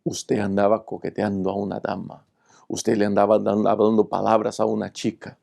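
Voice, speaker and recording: A man's voice: lowish voice, completely flat delivery, normal speed, creaky, dark tone. A man voicing a stern elderly woman who scolds reproachfully.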